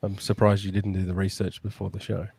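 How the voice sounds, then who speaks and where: A man's voice: sits low, completely flat delivery, fast talker, vocal fry, a little mellow, slightly rough, dry recording. A man co-hosting a comedy podcast, teasing dryly and restarting his sentences. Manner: dry teasing, hesitant restarts. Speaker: podcast co-host. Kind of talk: casual comedy chat.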